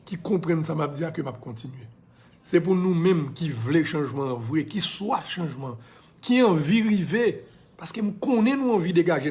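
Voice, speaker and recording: Speaking straight to viewers on a casual livestream, a Haitian-accented social media personality sounds impassioned and preachy. His slightly mellow voice is a bit higher than the typical man's, and English phrases pop up here and there.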